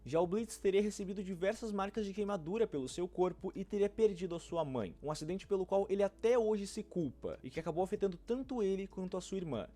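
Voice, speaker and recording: A man's voice: sits high, animated, quick pace, few pauses, dark tone. A man with a Brazilian accent delivering scripted narration as a fan-theory video narrator.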